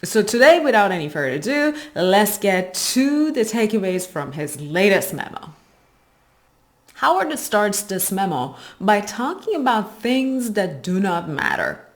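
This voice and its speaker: Female presenter, medium pitch. Prepared explainer delivery to viewers, measured, with emphasis on key phrases. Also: big pitch swings. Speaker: host of an investing channel. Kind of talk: explanatory investing commentary, prepared talk to viewers.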